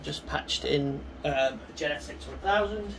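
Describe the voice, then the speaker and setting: A man giving a casual, hands-on synthesizer demo, explaining informally and a little haltingly as he works. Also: on the high side, gravelly, rough recording. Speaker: synthesizer demonstrator and reviewer. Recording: synthesizer music behind the voice. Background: synthesizer sounds and music.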